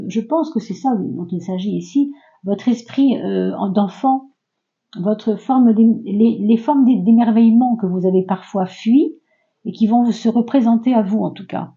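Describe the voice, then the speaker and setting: A woman's voice: a little high, mellow, muffled recording. A woman giving a casual, reassuring tarot reading to her viewers, talking loosely with many fillers. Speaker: tarot reader.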